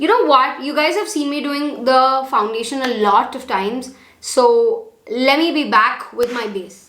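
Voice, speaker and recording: A woman with a high pitch and ordinary pitch variation, heard with audible room echo and noticeable background noise. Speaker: beauty vlogger. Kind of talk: get-ready-with-me makeup tutorial chat. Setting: sitting on the floor at home filming. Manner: speaking softly, partner in next room.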